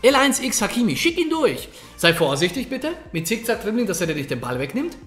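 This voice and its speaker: A man giving energetic, colloquial coaching commentary over gameplay, talking straight to the viewer. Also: high-pitched, fast. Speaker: gaming coach. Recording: echoey room. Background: faint background music.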